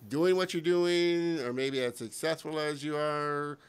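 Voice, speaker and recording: A man's voice: a little high, fairly even intonation, a little slow, clear, resonant tone. A man in his fifties hosting a live-streamed interview from a home studio, talking enthusiastically and repeating words. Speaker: host. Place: home studio with colorful lighting. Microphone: studio mic on boom arm.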